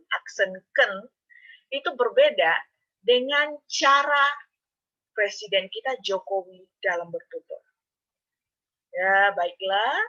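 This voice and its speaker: Woman lecturer, bright voice, talks students through it step by step, slightly muffled recording. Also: medium pitch. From Indonesia. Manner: explains step by step, addresses students directly. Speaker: university lecturer. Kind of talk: online lecture.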